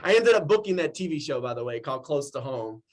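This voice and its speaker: A man in his forties, a guest actor in a casual interview, talking with eager, animated energy and frequent laughter. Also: on the high side, quick pace, slight background noise. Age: 40s. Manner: excitable and animated, laughs often.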